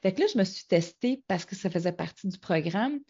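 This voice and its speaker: Animated Québécois woman telling stories. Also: fairly low pitch, brisk, breathy edge. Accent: Québécois French. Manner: animated storyteller, acts out quoted dialogue. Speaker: guest. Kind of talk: casual storytelling interview. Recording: slightly muffled lo-fi audio.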